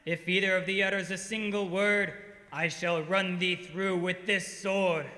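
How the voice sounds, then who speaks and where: In long, echoing reverb, a stern ghost of a colonial governor. The voice is high for a male, very sharp and forceful, and declaims slow commands like old radio melodrama. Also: fairly even intonation. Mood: wrathful, commanding.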